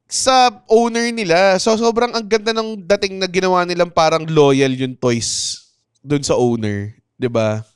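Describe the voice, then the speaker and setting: A man's voice: high-pitched, a little slow, smooth, no room sound, studio quality. A man, co-hosting a podcast in casual comedic chat, crude and joking, often quoting movie lines. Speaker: podcast co-host.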